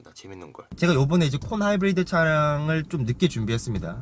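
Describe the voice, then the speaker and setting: A man talks with very wide pitch swings. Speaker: car reviewer. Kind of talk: car test drive review. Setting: in a car.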